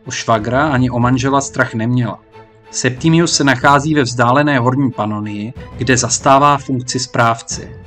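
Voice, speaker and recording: A man's voice: medium pitch, a bit bright, soft background music. Man narrating a historical audiobook.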